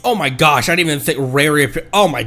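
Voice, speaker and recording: A man livestreaming a game with casual commentary, thinking aloud in a halting way. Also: on the high side, animated, sharp tone, soft background music.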